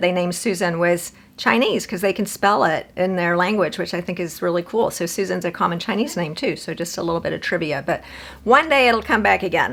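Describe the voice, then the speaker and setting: A woman with a normal speaking voice talks at a fairly quick pace with lively intonation. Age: 50s. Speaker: physician and show host. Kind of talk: call-in health advice show.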